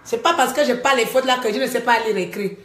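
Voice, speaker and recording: A woman talking to her viewers in a live-stream monologue, animated, scolding and joking by turns. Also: on the high side, fast talker. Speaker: livestreamer. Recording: echoey room.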